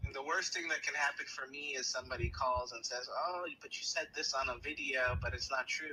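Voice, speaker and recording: A man's voice with noticeable background noise. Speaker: consumer law attorney. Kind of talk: live Q&A interview. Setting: live stream.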